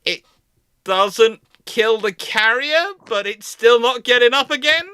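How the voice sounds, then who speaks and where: High, crisp-voiced man on a dry mic. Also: animated, slow, sharp tone, no echo. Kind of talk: casual panel discussion of military history.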